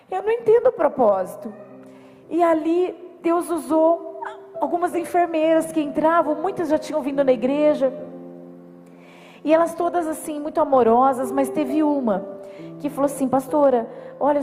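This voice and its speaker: Brazilian lady pastor telling her testimony, earnest, high voice, reverby hall, soft music under it. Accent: Brazilian Portuguese. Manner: earnest, quotes her own and others' words. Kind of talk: emotional testimony.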